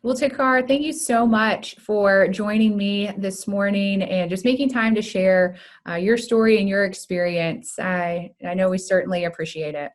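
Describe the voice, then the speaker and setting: A woman pastor hosting an interview, speaking in a measured, affirming way with soft fillers. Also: medium pitch. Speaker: pastor and host. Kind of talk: interviewing a guest.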